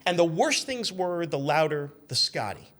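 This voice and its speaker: Higher-voiced man in his fifties, chatty storyteller. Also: very animated, normal speed. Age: 50s. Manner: chatty, acts out quoted shouts. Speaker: podcast guest, magazine editor. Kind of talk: animated anecdote storytelling.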